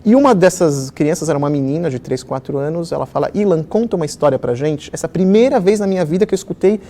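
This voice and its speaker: Animated middle-aged man telling stories. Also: fairly high pitch, fast talker. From Israel. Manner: animated storyteller, many fillers. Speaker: children's author. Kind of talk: conversational interview storytelling.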